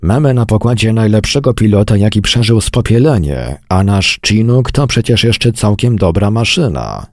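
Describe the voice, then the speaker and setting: A man voicing a gruff, hard-drinking male army major with a bass voice and a coarse, commanding way of talking. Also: expressive, moderate pace, hardly any pauses, a little mellow, dry recording, studio quality, natural voice. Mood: blustering.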